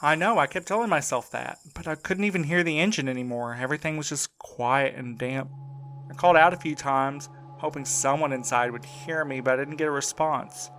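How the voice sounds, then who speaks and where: A man's voice: a little high, fairly quick, a bit bright, slight background noise. A man acting as a tired young mail carrier in an audio drama. He sounds battered and weary, with a dry, wry edge. His delivery stays natural and conversational. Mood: recounting, uneasy.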